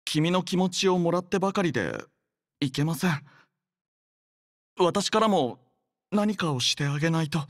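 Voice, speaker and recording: A courteous, devoted young soldier, close-miked. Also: male voice, fairly high pitch, expressive, no room sound. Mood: tender, sincere. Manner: polite, soft-spoken, measured, sincere. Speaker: voice actor. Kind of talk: acted game character voice lines.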